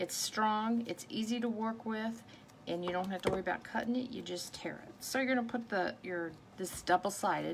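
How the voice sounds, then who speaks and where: The woman has an unremarkable speaking voice at medium pitch. She talks at a moderate pace with ordinary pitch variation. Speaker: paper crafting demonstrator. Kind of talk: live craft tutorial. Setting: Facebook live stream. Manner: casual, chatty.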